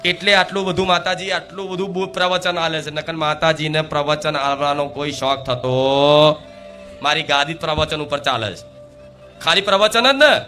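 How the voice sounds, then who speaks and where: A man preaches as the goddess's voice before a live devotional crowd, his voice on the high side, pushed and bright, at a normal pace. Faint music plays as he poses rhetorical questions, quizzes listeners, asks for responses, and repeats key words to stress them.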